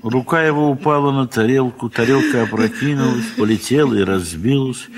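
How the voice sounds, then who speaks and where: A man with a mid-range voice narrates a classic story in a 1970s Soviet audio drama, using a dramatic literary style and measured, expressive pauses.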